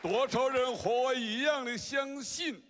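A man preaching a sermon slowly and deliberately, in short phrases for an interpreter. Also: very high voice, fairly bright tone. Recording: echoey hall with faint crowd and noise.

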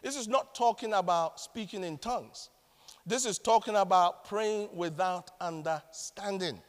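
A man with a Ghanaian accent preaching a sermon in a dramatic, animated way. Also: sits high, unhurried, big-room sound. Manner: dramatic, animated, mimics other pray-ers.

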